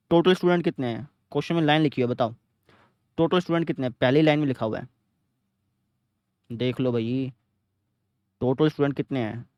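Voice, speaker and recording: A young man with a slightly high, slightly mellow voice teaches a math lesson in a north Indian Hindi accent. He goes step by step, repeats each step, and poses questions that he answers himself. The studio recording is clean, with no room sound.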